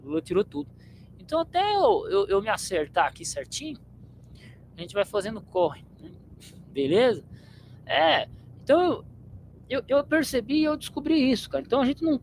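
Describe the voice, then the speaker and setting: A man's voice: very high-pitched, slight background noise, low-quality recording. A man from São state, hosting his channel in a blunt, slangy, rambling monologue to viewers. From São Paulo state, Brazil. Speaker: channel host.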